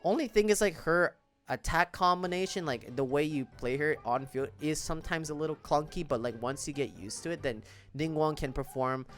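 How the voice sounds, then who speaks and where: A man's voice: on the high side, normal speed, fairly bright tone. Casual, emphatic man over background music. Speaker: gaming content creator. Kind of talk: casual reaction commentary on a video game.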